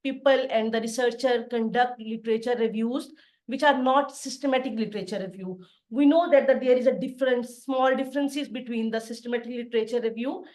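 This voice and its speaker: A middle-aged woman from Pakistan gives an online lecture over a video call. Her voice sits a little high, and she explains her points plainly, step by step. She pauses often with "uh" as she goes. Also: steady tone, a little mellow. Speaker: assistant professor giving a webinar lecture. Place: home study with bookshelves behind.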